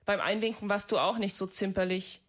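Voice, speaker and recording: Woman reading an irritable farmer father, curt and scolding, kept flat. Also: medium pitch, brisk, lightly acted. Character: gruff, short-tempered farmer father.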